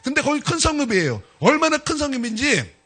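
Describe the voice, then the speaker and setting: Man, pastor, sermon in church, high-pitched, lively intonation. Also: fast talker. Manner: animated storytelling, addressing the congregation directly.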